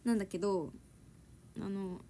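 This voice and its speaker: A woman's voice: mid-range voice, steady tone, a little slow, mellow. A young woman chatting casually on a livestream, giggling and answering viewers' comments. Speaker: idol trainee livestreaming to fans.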